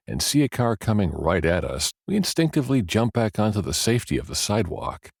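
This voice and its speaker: A deep male voice with a husky grain narrates a self-help audiobook. His intonation moves in lively swings while the delivery stays measured and explanatory, with deliberate pauses. The sound is close and dry. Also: no echo.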